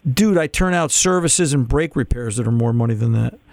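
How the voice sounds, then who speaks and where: A man's voice: mid-range voice, lively intonation, brisk, darkish tone, no room sound. A man hosting a call-in radio car show, chatty and explaining patiently, with frequent restarts.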